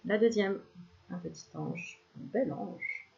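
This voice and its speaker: A woman's voice: medium pitch, lively intonation, takes it slowly, gravelly, darkish tone. Chatty woman doing a card reading. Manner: chatty, laughs often, addresses viewer familiarly. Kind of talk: casual card-reading video. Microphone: self-filmed camera. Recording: slightly dull lo-fi sound, faint hiss.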